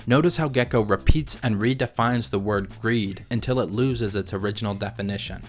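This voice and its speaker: Low-voiced man narrating a video essay. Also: soft background music. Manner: measured, analytical explaining. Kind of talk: scripted voice-over narration.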